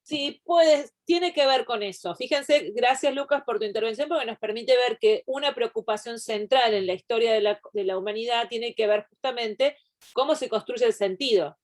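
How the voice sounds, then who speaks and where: A woman's voice: on the high side, moderate pace. Woman lecturing. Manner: digressive, explanatory, thinks aloud. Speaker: university teacher. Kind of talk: online class lecture.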